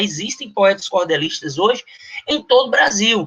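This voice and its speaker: This man's voice is raised and projected. He is the one speaking. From Bahia, Brazil (Salvador). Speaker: cordel poet and workshop teacher. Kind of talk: online workshop talk. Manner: halting, many fillers.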